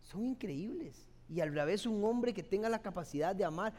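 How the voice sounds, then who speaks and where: A man's voice: high voice, animated, normal speed, darkish tone. A man with a Costa Rican accent preaching an impassioned, emotional sermon as a pastor. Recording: long hall reverb.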